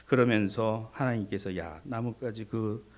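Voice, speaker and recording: A male pastor preaching a sermon, addressing the congregation directly, swinging between raised exhortation and hushed, whispered asides. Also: fairly low pitch, measured pace. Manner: addresses congregation directly, acts out voices of people and God.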